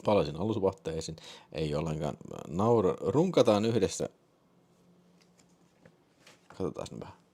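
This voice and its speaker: Low-voiced man reading with lively swings. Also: long pauses, breathy edge. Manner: mock-serious reading broken by amused asides. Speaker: host of a live film show. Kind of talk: live stream chat and comic reading aloud.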